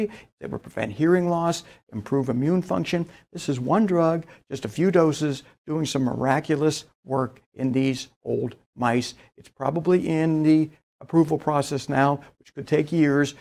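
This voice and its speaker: Gravelly, fairly high-voiced man lecturing. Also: a little mellow. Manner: enthusiastic, explanatory presenter. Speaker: keynote speaker. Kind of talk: conference keynote lecture. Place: indoors, in front of a slide backdrop.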